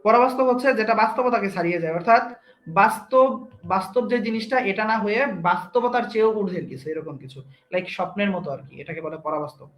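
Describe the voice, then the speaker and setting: A man's voice: high voice, brisk, fairly bright tone, reverberant. A young man teaching an online grammar class, explaining step by step and quizzing his students.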